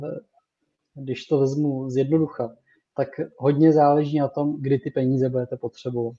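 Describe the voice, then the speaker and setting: A man, a financial adviser on a podcast, speaking in a measured way with fillers. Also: mid-range voice, mellow, muffled recording. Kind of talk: casual podcast talk.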